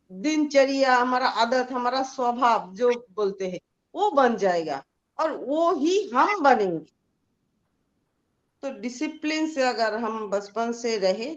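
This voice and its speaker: A woman telling a moral story to a team meeting in a slow, plain way with restarts. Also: fairly high pitch, muffled recording.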